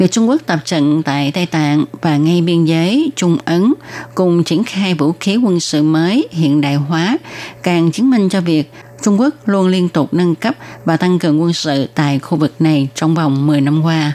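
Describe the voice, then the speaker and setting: Over noticeable background noise, a woman with a fairly low pitch speaks fairly slowly, with ordinary pitch variation and very even loudness. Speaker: radio presenter. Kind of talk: scripted narration.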